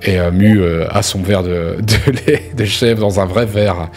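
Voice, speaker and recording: A male game master with a very deep voice improvises scene descriptions for a tabletop game. His delivery is casual and conversational, over background music. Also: a little slow. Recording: music playing under the voice.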